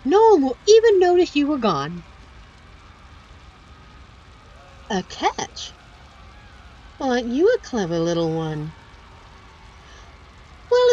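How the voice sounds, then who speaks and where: A woman's voice: high-pitched, mellow, muffled recording, slight background noise, heavily acted. A woman voicing a seductive, teasing female demon in a scripted ASMR roleplay, speaking with a coy, condescending, theatrical manner. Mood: coaxing, businesslike.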